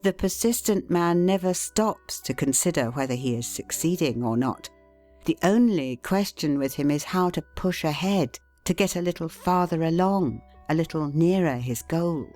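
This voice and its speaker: Over soft, low-level instrumental music, a woman with a very low voice narrates an old self-help title for an audiobook. She reads unhurriedly, hitting important words and leaving even, emphatic pauses.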